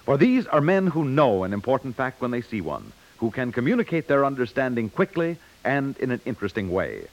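A man's voice: medium pitch, very animated, brisk, hardly any pauses. A man announcing from a script in the style of 1950s network radio. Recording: muffled 1950s radio broadcast recording.

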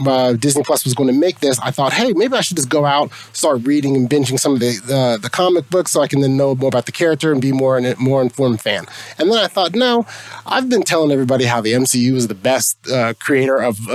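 A man with a raspy voice, hoarse from a cold and cracking at times, chatting casually as a podcast guest and talking in halting restarts. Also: mid-range voice, no echo. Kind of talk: casual chat.

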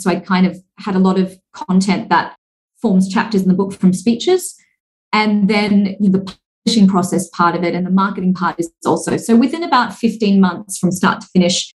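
A woman in her thirties from Singapore, talking at length as a guest in a casual podcast interview, fluent and energetic with many "like" and "you know" fillers. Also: mid-range voice. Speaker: podcast guest, speaker and author.

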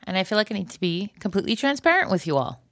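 A woman's voice: medium pitch, sing-song, racing, no room sound, clean studio sound. A woman hosting a solo podcast in a chatty, conversational way, with wry, joking asides. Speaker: podcast host.

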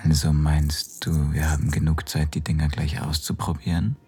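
A man playing a dominant male lover in an intimate audio drama, giving commands in low murmured whispers. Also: completely flat delivery, moderate pace, background noise. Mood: playful. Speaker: voice actor in an erotic audio drama.

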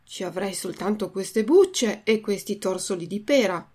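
A woman voicing a calm, kindly old man who patiently lectures a child in a storybook reading. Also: medium pitch, measured pace, breathy edge. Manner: calm and admonishing.

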